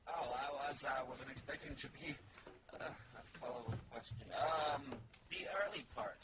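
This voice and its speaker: An actor playing an unprepared student caught out, hesitant and mumbling, in an audio drama. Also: male voice, mid-range voice, very noisy, lightly acted. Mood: sheepish. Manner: halting, mumbling. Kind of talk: full-cast audio drama acting.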